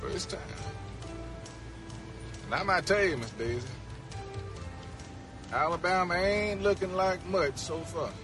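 An older man with a Southern accent playing an old, folksy driver who tells stories in an unhurried drawl. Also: high voice. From Georgia. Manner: slow, drawling, chuckling. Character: old male driver, gentle, folksy storyteller. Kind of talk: film acting. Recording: film clip with music behind.

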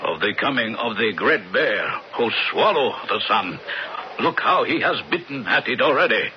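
An actor playing a solemn, devout older Native American man in a radio drama, speaking halting broken English. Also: mid-range voice, sing-song, lightly acted. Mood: solemn awe. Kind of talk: 1970s radio drama acting. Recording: noisy muffled old radio broadcast.

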